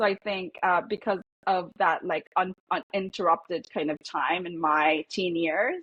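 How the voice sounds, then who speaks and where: A woman with a medium-pitched voice speaks fairly slowly in a Korean accent. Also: ordinary pitch variation. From South Korea. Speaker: psychologist. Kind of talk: interview.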